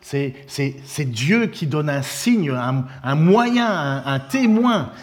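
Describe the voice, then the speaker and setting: A man preaching a sermon, in a lively, conversational way with many restarts. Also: fairly high pitch, slow pace.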